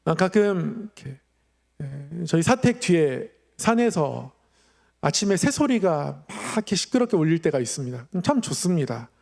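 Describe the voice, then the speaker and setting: A middle-aged man preaching a sermon as a pastor, explaining in a measured, polite way. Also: on the high side, very animated, gravelly, darkish tone. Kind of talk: Friday evening sermon.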